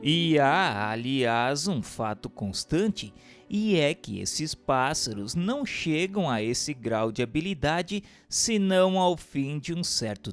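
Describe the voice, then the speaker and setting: A Brazilian man reading a book aloud as scripted narration, in a formal, measured, didactic way with emphatic phrasing. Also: on the high side. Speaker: reader of a book. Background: instrumental music.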